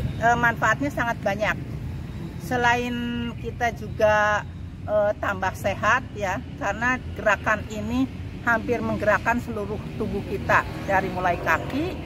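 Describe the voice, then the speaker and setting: A middle-aged woman, speaking as a club chairwoman in an informal on-camera statement. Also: mid-range voice. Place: open paved yard outdoors. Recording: outdoor ambient and traffic noise.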